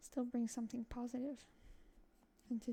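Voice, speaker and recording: A soft-spoken woman talks at a high pitch. Her tone is dark, mellow and relaxed. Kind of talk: ASMR rambling chat, casual talk to camera. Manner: soft-spoken, relaxed.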